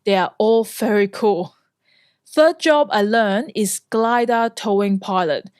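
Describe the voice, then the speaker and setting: A woman's voice: mid-range voice, slow, darkish tone, clean tone, no room sound, studio quality. A woman from Hong Kong, a flight instructor, narrating a scripted vlog in an earnest, enthusiastic way.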